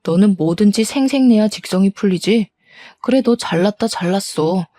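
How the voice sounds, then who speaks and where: A woman's voice: mid-range voice, normal speed, warm tone, dry recording, close to an everyday voice. A woman voicing a cheating middle-aged husband who turns the blame on his wife. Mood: defensive scorn. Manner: dismissive, scolding.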